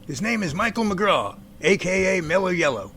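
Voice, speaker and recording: A man's voice: sits high, sing-song, normal speed, fairly bright tone, slight background noise. A man playing a genial middle-aged professor in an amateur audio drama, with courteous, folksy phrasing. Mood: pleased. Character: genial middle-aged professor running a Bigfoot research center.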